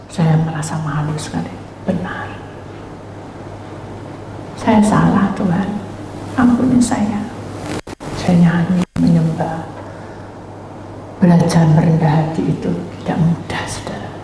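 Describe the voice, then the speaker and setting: A woman's voice: on the low side, background noise. A woman pastor preaching a sermon as dramatic storytelling, dropping to near whispers and then rising again. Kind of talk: sermon with personal testimony. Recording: echoey hall with long reverb.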